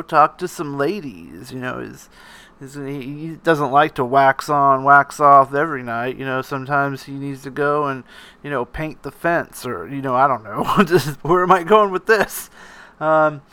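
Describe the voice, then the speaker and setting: Bright, chatty, rambling man. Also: on the high side, clear, resonant tone, no echo. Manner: rambling, laughs often, swears freely. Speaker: podcast host recapping a film. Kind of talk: casual recap chat.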